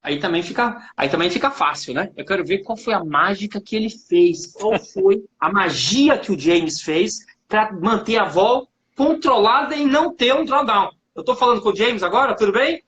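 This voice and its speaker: A man's voice: high voice, lively intonation, normal speed, few pauses, a bit bright. A man from Brazil hosting a casual live finance chat, friendly and joking as he talks over a video call. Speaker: host and finance professor. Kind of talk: casual live-stream interview.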